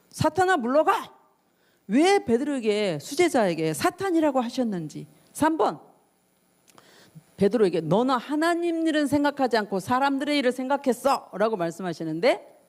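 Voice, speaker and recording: A woman's voice: a little high, warm tone. A woman pastor giving a youth sermon. She reads scripture, then explains it in a conversational way and asks her listeners questions.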